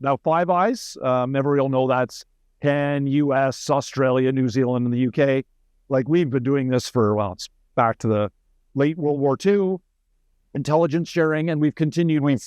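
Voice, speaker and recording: A middle-aged Canadian man with a fairly high voice speaks as a military guest in an interview. The sound is dry, with little room in it. He explains things conversationally and drops in wry asides. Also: a little mellow, smooth, dry recording.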